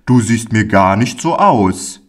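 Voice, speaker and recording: A man voicing a kind, friendly older man in a storybook reading, speaking gently with a tinged manner. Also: lowish voice, animated, takes it slowly. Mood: kind, coaxing. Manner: gentle, warmly admonishing.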